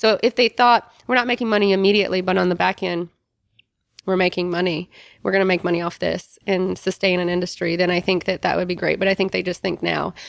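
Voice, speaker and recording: At a very fast pace, a woman speaks in a medium pitch with vocal fry and fairly even intonation, the recording dry and close with no echo and very clean against a silent background. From Kentucky. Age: 30s. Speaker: motorcycle journalist and personality. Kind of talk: casual chat.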